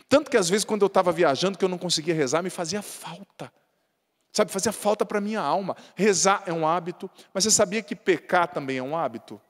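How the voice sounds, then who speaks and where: A Brazilian Catholic priest gives a sermon in a folksy, humorous style, frequently adding tag questions, with a Brazilian Portuguese accent. His voice sits high and trails off into a long reverb tail.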